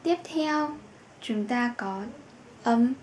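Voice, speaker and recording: A woman teaching German pronunciation in a patient lesson, with drawn-out fillers and each example word said twice. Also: a little high, lively intonation, darkish tone, a little hiss or hum. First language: Vietnamese.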